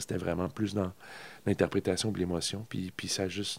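On a very clean recording with a silent background, a man speaks with a fairly low pitch in a monotone, flat intonation. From northern Ontario, Canada. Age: 40s. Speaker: comedian and singer-songwriter. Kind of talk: casual chat. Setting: at the host's home, over a beer.

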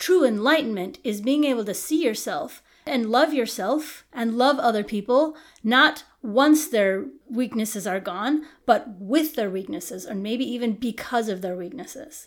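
With lively intonation and a fairly high pitch, a woman talks at a moderate pace in an unremarkable speaking voice. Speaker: podcast host. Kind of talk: casual conversational podcast chat.

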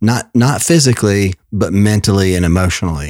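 A man's fairly low voice, a normal speaking voice with ordinary pitch variation, on a very clean recording with a silent background. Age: 50s. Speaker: podcast host. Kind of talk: monologue podcast episode. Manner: casual, filler-heavy with repetitions.

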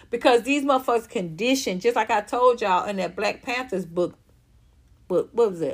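Animated in tone, a woman talks at a moderate pace with a fairly high pitch and lively intonation. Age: 50s. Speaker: podcast host. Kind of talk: solo livestream commentary. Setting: livestream with live chat.

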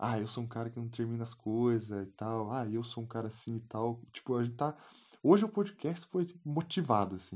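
An unremarkable speaking voice from a man, moderate in pace, medium-pitched, with ordinary pitch variation. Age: 20s. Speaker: podcast co-host, electrical engineer. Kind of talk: casual chat.

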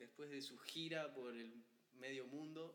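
A man's fairly high voice at a fairly slow pace, with fairly even intonation and audible room echo. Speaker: podcast host. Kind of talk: casual chat. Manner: talkative.

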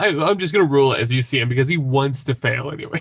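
Speech comes at a very fast pace and is somewhat breathy. Pitch variation is ordinary. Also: man. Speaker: game master of a tabletop roleplaying podcast. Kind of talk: casual chat with in-character narration. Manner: stumbling, repeats words.

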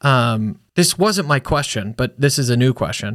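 Lively intonation and an animated tone on a very clean recording with a silent background. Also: man. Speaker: podcast co-host. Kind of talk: casual chat.

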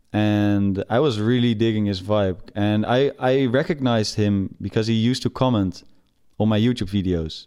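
A man with a Dutch accent, fairly low pitch, a dark, mellow tone and fairly even intonation, against a quiet background. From Netherlands, Utrecht. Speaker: music producer. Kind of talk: casual chat.

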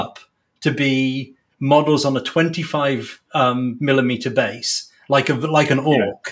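A man speaks in a somewhat breathy voice. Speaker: podcaster. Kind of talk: casual interview chat.

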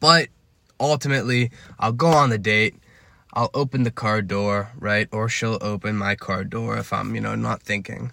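Fairly low-pitched man with a bright, sharp tone, moderate pace, ordinary pitch variation, in a dry, close sound with no echo. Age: 20s. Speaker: podcast host. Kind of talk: casual chat. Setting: in a car.

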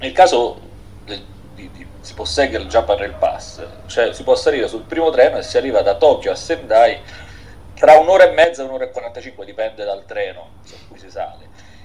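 A man at a moderate pace, with long, frequent pauses, big swings in loudness and noticeable background noise. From Rome, Italy. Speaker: YouTuber and expat office worker. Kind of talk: interview.

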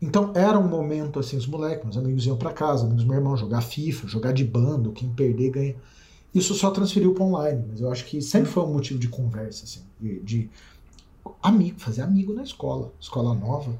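The tone is dark and mellow, somewhat breathy. The intonation is lively. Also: man, medium pitch for a man. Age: 30s. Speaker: communications manager and former journalist. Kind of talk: interview. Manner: animated.

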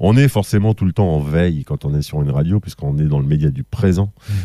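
The voice moves at a fairly quick pace with ordinary pitch variation, and the sound is dry and close with no echo. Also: man. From New Caledonia. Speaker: radio presenter and programmer. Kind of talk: interview.

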